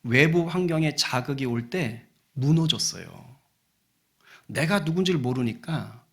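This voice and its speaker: A man's voice: fairly high pitch, animated, measured pace, fairly bright tone. A male senior pastor preaching a sermon with emphatic, call-and-response questions.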